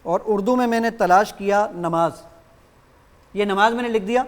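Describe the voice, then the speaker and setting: A man appearing as a guest on a TV show, demonstrating his app in lively detail and acting out both sides of his exchanges with it. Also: high voice. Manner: animated explainer who acts out exchanges with the app.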